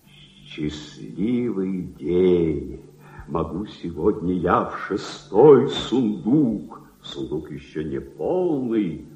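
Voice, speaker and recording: An actor playing an old, proud, greedy miser baron who gloats over his gold, declaiming verse grandly with dramatic pauses in a theatrical radio drama. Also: on the high side, heavily acted. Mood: eager, gloating. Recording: dull, echoey old radio play recording.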